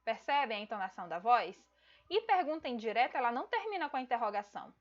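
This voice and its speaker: Woman teacher for a video lesson, fairly high voice, emphatic, slightly dull lo-fi audio. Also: big pitch swings. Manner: slow, emphatic, addresses students directly.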